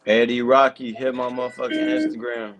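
A man's voice: mid-range voice, level tone, a little fast, fairly bright tone, soft background music. A man in casual livestream chat as a guest rapper.

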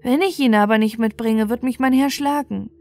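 A woman voicing a gentle enslaved child in a fairy tale, earnest and plaintive. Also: fairly high pitch, moderate pace, soft background music, natural voice.

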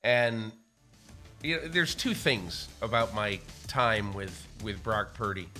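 An older man talks football in a casual studio discussion, his voice bright and forward. He speaks in an animated way into a studio mic in a small room. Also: on the low side, slow pace, soft background music. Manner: animated, gestures with hands while talking. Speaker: football analyst co-host. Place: small studio with framed pictures. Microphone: studio mic on boom arm.

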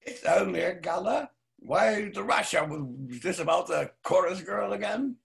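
An older actor playing a worldly, teasing, paternal elder brother in a staged reading, with a gravelly, husky voice. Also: male voice, high voice, a little slow, a bit bright, heavily acted. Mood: chiding. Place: home study, video call.

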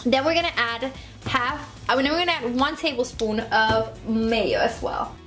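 A woman's voice: on the high side, normal speed. A young woman with a Puerto Rican accent, chatty and playful, hosting a DIY beauty tutorial from her home studio. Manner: playful, giggly, chatty with laughs between phrases. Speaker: beauty vlogger. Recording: echoey room with faint music.

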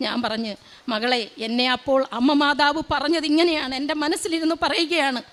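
A woman's voice: high voice, steady tone, brisk, a bit bright. A middle-aged woman from Kerala giving an earnest church testimony, telling her story with lots of repetition. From Kerala, India.

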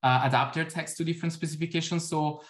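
A fast-talking young man with a high-leaning, steady voice presents research on a video call, his first language being Italian. He gives an academic talk and Q&A answer from an indoor room at home via laptop webcam, steadily explaining with frequent ums.

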